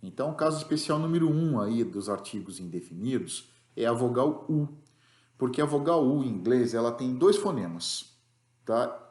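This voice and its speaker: A man's voice: medium pitch, expressive, normal speed, darkish tone, echoey room. A man with a Brazilian Portuguese accent teaching an English grammar lesson, explaining rules patiently and checking in with the class after each point.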